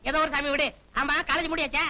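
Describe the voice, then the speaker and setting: A man's voice: extremely high pitch, little pitch movement, fast talker, sharp tone, full character voice. A bumbling forgetful young man. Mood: confused. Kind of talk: 1990s Tamil film comedy.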